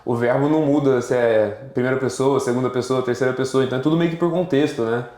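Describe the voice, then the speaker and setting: A man hosting a podcast, chatting in a slangy, chummy way and firing off quick questions. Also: medium pitch, warm tone. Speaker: podcast host. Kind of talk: casual interview chat. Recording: echoey room.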